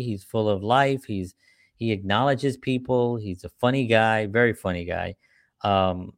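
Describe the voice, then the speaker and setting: Man with a gravelly voice, chatty leadership talk, acts out quick examples, close dry sound. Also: on the low side, dry recording. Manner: conversational, acts out quoted examples.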